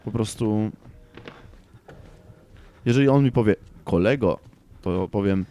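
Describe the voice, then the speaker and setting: A young man commentating a horror game, shouting in panic and then grumbling in frustration. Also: lowish voice, slow pace. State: frustrated and agitated. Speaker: gaming channel host.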